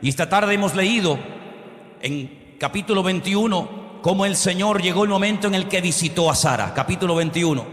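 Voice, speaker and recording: A man's voice: high voice, moderate pace, a bit bright. A man from preaching a sermon emphatically, asking the congregation questions and acting out quotes. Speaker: pastor. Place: church hall. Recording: echoey hall reverb.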